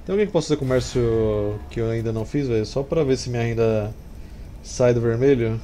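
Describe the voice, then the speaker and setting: Brazilian man, mellow game commentary over noise. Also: mid-range voice, fairly quick. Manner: informal, slangy. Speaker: gameplay streamer. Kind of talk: casual strategy game commentary. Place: small room indoors. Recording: clear background noise. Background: game sounds and ambience.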